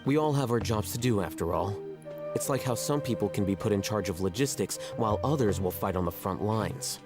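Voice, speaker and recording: Male actor as haughty scholar, low register, composed formal delivery, video game dialogue, light music underneath. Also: animated, lightly acted. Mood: stern. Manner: measured, formal, condescending. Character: arrogant, cool-headed male scholar in a fantasy game.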